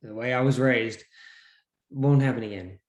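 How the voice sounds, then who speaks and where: A man's voice: medium pitch, moderate pace, close to an everyday voice. A man playing a polite, nervous young newcomer to the coal mines in a screenplay table read, hesitant and deferential. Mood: apologetic. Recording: echoey, roomy sound.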